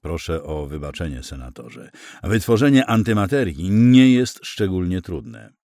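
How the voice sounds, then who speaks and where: Guy reading as a tired gloomy admiral, low and flat, explaining stuff heavy and subdued. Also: measured pace, dry recording, clean studio sound. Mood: grim, explaining. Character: weary, gloomy male fleet admiral.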